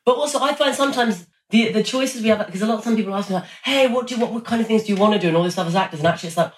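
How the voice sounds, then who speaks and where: A man's voice: high-pitched, very fast. A man chatting casually and enthusiastically as an actor being interviewed, telling anecdotes and quoting himself. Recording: roomy echo, background noise.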